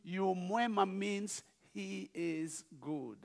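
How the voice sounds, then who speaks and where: A man with a Kenyan accent, a bishop speaking to a church, jovial and teaching slowly with laughs. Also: high-pitched, creaky. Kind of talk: sermon with song.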